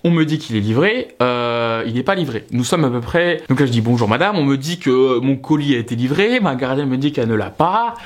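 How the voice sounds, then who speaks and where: A man telling a personal story to his viewers in a casual, animated way, with lots of ups and downs in his voice. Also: brisk, few pauses. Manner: animated, swinging pitch, talks straight to viewers.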